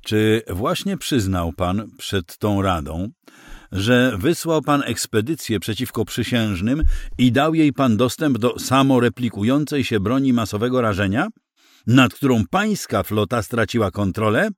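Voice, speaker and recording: A man's voice: medium pitch, animated, a little slow, no room sound, studio quality, natural voice. A man voicing an indignant council member who questions in an incredulous, demanding way. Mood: outraged.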